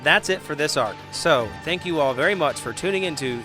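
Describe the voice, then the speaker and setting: A man talking casually and haltingly as a player and co-host of a tabletop game podcast. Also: a little high, expressive, music in the background.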